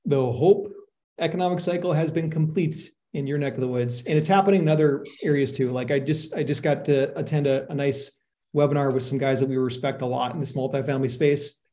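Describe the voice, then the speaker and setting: A man's voice: medium pitch, fairly quick, darkish tone. Earnest man explaining investing. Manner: earnest, explains with analogies and worst-case caution. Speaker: real estate investor, guest. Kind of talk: casual podcast conversation.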